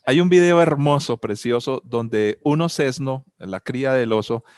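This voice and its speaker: A man's voice: medium pitch, unhurried, darkish tone, no echo, clean studio sound. A man with a Colombian accent giving a reflective talk on family and spirituality, asking many rhetorical questions and telling personal anecdotes.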